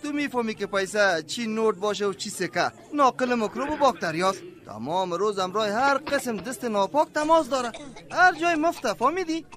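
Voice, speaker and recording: Fussy, high-pitched, scolding lab chief. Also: male voice, expressive, hardly any pauses, fairly bright tone. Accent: Afghan. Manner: scolding, curt, pompous. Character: fussy, irritable male lab chief, germ-obsessed. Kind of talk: radio drama acting.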